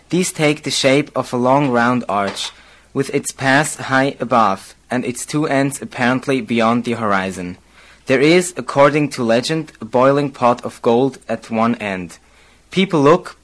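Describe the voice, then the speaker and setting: A young man from Basel with a Swiss German accent, whose first language is German. He reads a short passage and then talks casually, hesitating often and chuckling between phrases. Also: medium pitch. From Basel, Switzerland. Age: young adult. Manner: hesitant, frequent pauses and fillers. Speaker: university student.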